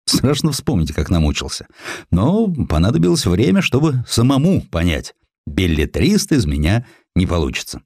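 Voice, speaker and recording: A man's voice: mid-range voice, a little mellow, no echo, clean studio sound, voice pushed up. A man voicing a venerable old editor reminiscing in a dramatized audiobook, theatrical and self-mocking, savoring his florid words. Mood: rueful. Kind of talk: dramatized audiobook character quotes.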